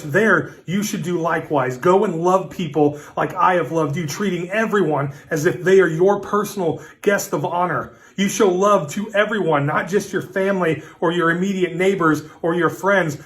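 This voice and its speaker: A man in his thirties giving a midweek devotional sermon as pastor, talking in a relaxed, conversational, storytelling way with casual fillers. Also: sits high. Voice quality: conversational, storytelling delivery with acted-out dialogue. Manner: relaxed, folksy preaching with fillers like "like" and "listen".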